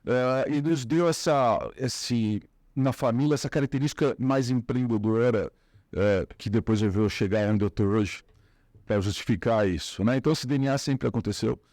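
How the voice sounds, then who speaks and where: A man's voice: medium pitch, moderate pace, a little mellow, no room sound, clean studio sound. A middle-aged man from São Paulo with a Paulistano accent, a guest in a casual interview, rambling through his family story with many fillers and restarts. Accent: Paulistano Brazilian Portuguese. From São Paulo, Brazil.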